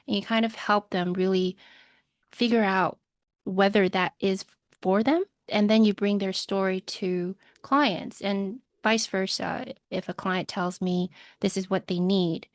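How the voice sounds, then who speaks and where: A woman from Taiwan whose first language is Mandarin, answering interview questions in a measured, explanatory way. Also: mid-range voice, steady tone, no echo, clean studio sound. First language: Mandarin Chinese. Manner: measured and explanatory, light laughs. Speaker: guest, legal recruiter.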